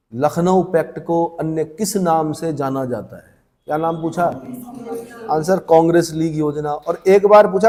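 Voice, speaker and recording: A male coaching teacher gives a classroom lecture, reading points aloud from the text and then asking students questions and explaining in plain talk. His voice is a little high with a warm tone, and the recording has a big-room sound.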